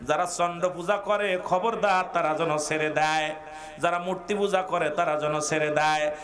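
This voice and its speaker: A man with a Bangladeshi Bengali accent preaching an Islamic sermon, telling religious stories in an emotional, declamatory, partly chanted delivery. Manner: emotional, declamatory, swinging between plain telling and loud high cries; calls on listeners to respond. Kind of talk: impassioned waz sermon storytelling, half-chanted in places.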